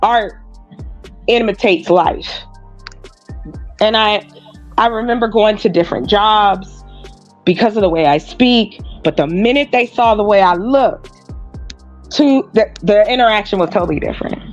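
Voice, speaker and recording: A woman's voice: mid-range voice, muffled recording, soft background music. Earnest woman on a remote panel call. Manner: measured and earnest, making points step by step. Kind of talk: discussion on a live panel.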